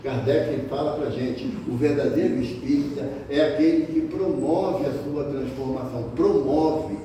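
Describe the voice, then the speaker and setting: A man's voice: mid-range voice, a little slow, dark tone, slight background noise. A man with a Brazilian Portuguese accent giving a spiritist lecture and asking the audience rhetorical questions. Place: lecture hall of a spiritist center. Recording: echoey hall, distant mic, faint ambience.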